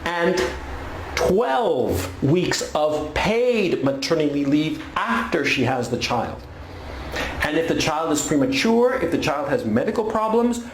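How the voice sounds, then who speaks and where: A man's voice: a little high, reverberant, a little hiss or hum, low-quality recording. A man from Chile delivering a blunt, sarcastic opinion monologue with coarse language. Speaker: political commentator.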